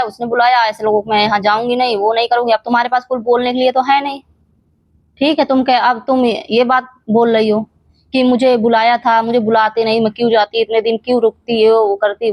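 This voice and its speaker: A woman's voice: a little high, no room sound. A young woman vlogging, scolding an absent rival straight to camera with rhetorical questions and repeated challenges. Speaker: reaction channel creator. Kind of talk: heated reaction monologue to camera.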